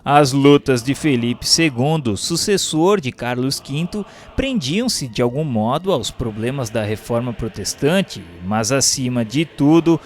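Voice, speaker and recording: A man with a Brazilian accent reads scripted historical narration in a formal, solemn, measured delivery. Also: mid-range voice. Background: music bed.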